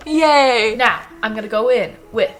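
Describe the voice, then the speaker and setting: A woman's voice: on the high side, measured pace. A woman in her twenties chatting casually in a vlog while doing her makeup, bubbly and self-mocking. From United States. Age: 20s. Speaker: vlogger. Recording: music playing underneath. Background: clear background music.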